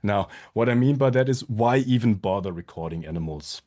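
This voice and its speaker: A man with a low, dark voice presents a conference talk. He is a little sick and his voice sounds strained, but he keeps it friendly and drops dry self-mocking jokes. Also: lively intonation, a little fast. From Germany. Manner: friendly, self-deprecating humor. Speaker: conference speaker, sound designer.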